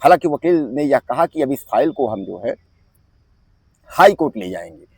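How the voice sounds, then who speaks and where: A man giving direct-to-viewer news commentary, talking to the audience as friends, repeating his points insistently and often filling pauses with a habitual filler phrase. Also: medium pitch, big pitch swings, slightly rough, no room sound. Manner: keeps inserting the filler "jo hai".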